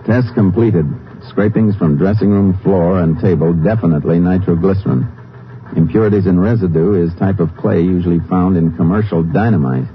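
A man playing a steady, businesslike Texas Ranger in 1950s radio drama, with terse, matter-of-fact delivery. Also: deep voice, moderate pace, slight background noise, lightly acted. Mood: grave, assured. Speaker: actor, lead and narrator. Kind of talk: 1950s western detective radio acting. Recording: dull old radio recording with music.

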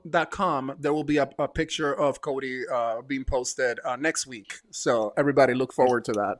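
A man in casual podcast chat as a co-host, teasing drily in a halting way. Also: mid-range voice, fairly even intonation.

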